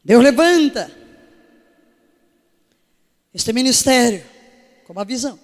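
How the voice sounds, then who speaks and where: A woman's voice: a little high, expressive, takes it slowly, long reverb tail. A woman preaching a sermon to her congregation in an emphatic way, full of rhetorical questions. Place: church service.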